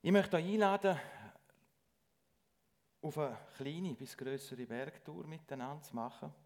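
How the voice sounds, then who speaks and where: A middle-aged lay preacher with a slightly high voice gives a church sermon. He speaks earnestly but haltingly, repeatedly breaking off and starting his sentences again.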